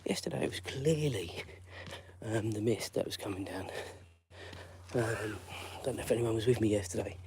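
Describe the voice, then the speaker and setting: A man's voice: lowish voice, normal speed, a little mellow, a little hiss or hum. Chatty man strolling outdoors. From London. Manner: rambling, chatty, lots of fillers. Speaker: vlogger walking his dog. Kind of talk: live-stream walking chat. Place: outdoors on a residential street in drizzle.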